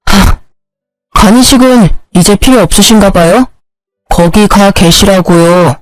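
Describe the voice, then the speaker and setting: A woman's voice: medium pitch, a little slow, no echo, faint music behind, natural voice, poor audio. A woman reading the part of a clever young adult son who speaks with cool, mocking politeness.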